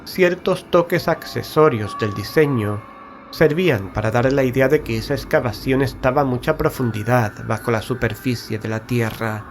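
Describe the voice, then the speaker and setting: A man narrating a literary horror story in a measured, solemn, carefully enunciated dramatic style. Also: mid-range voice, background noise. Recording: background music under studio narration. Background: music.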